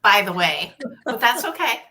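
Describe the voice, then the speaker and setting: A woman's voice: medium pitch, very animated, moderate pace, a crowd in the background. A woman hosting a panel chat, affirming and lightly teasing her guest. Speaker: host.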